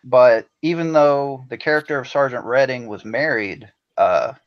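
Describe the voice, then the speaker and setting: A man's voice: mid-range voice, moderate pace, dull audio. A man in his thirties, a serving soldier and the writer of the story, chatting casually and frankly with a lot of laughter. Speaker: writer of the drama. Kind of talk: casual podcast chat.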